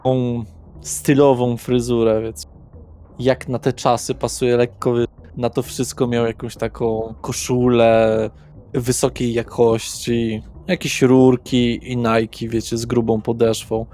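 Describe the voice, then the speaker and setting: A man's voice: medium pitch, flat delivery, slow, dark tone. A man working as game master, narrating an improvised tabletop role-playing session in casual words.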